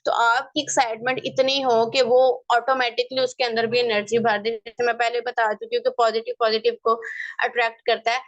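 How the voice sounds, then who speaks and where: A young woman, running an online sales training over a video call, lively and coaxing, mixing in English phrases. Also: on the high side. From Pakistan. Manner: lively and coaxing, mixes in English phrases, keeps asking "theek hai".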